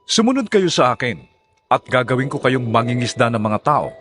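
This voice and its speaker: A man's voice: mid-range voice, big pitch swings, moderate pace, fairly bright tone. An actor with a Filipino accent playing a resolute holy male teacher, firm and declarative, in a dramatized audio Bible. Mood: earnest. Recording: music under the voice.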